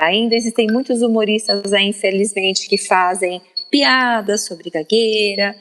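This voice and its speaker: On a podcast, a Brazilian woman appears as a guest speech therapist, explaining things in a didactic, emphatic style and often adding tag questions. Her voice is medium in pitch and a bit bright, and the recording has a long reverb with faint background noise.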